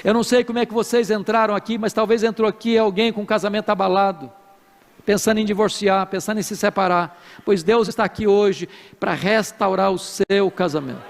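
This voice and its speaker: Brazilian man, pastor, very high voice, preaching in a reverberant hall with a faint congregation; lively, humorous storyteller. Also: brisk, vocal fry. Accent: Brazilian Portuguese. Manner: animated, humorous storytelling with acted quotes. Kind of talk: sermon. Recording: live hall with long reverb.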